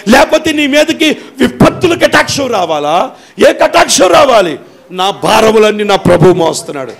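Gravelly high-voiced preaching man. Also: very animated. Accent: Telugu. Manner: swings from low, rapid asides to loud, rising shouted declarations. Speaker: pastor. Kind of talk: sermon.

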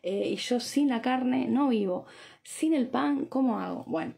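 A lively Argentine woman in her thirties talks straight into a phone held at arm's length, as if chatting with viewers on a live stream. Her voice sits fairly high but sounds mellow and dark in tone, with a gravelly fry running through it. She keeps the talk moving with frequent little check-in questions. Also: unhurried. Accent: Argentine Spanish. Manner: animated, chatty, many tag questions. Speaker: Ayurveda doctor. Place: small bright room indoors. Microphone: phone camera at arm's length.

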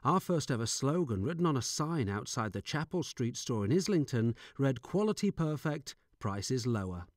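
A middle-aged man with a soft Northern English accent reads scripted corporate narration in a measured, informative storytelling manner, close on a studio microphone. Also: mid-range voice, sing-song, dry recording. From Northern England. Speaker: voice-over artist. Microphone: studio microphone with pop shield.

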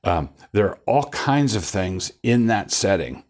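An older man, a pastor, talking in a relaxed studio interview, wandering through his points with restarts and a wry chuckle, on a lapel mic. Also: lowish voice, a little slow. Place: studio set with bookshelves.

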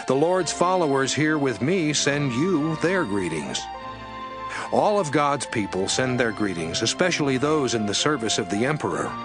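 A man giving a measured, expressive scripted reading of scripture as narrator. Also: medium pitch. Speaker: Bible reader. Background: background music.

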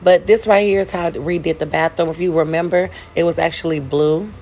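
A woman's voice: lowish voice, fairly quick, a little hiss or hum. A woman hosting a gaming channel, chatting casually through a voice-over tour of a game build and talking straight to her viewers. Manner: relaxed, chatty, addresses viewers as "you guys".

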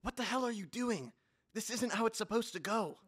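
A man acting an earnest high school boy who plays a part in a stage play, in a comedic audio drama. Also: expressive, brisk, fairly bright tone, husky, full character voice. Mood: confused, annoyed. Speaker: actor.

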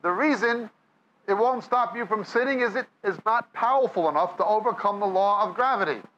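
A New York-accented man preaches with a high-pitched, pushed and bright voice, moving briskly as he reads scripture aloud and then explains it. He's a Bible teacher addressing a live audience in a church or meeting hall, and the recording's highs are cut off.

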